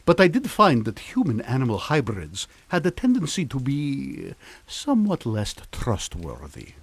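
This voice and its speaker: An actor playing a genial, unflappable older scientist in a comic radio drama, with breezy, politely teasing manners. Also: male voice, medium pitch, wildly swooping pitch, moderate pace, husky, no echo, full character voice.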